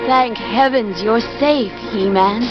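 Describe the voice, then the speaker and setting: A woman's voice: on the high side, slow pace. An actress playing a valiant, caring cartoon warrior woman, earnest and dramatic. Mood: relieved, gentle. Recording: lo-fi audio, loud music behind.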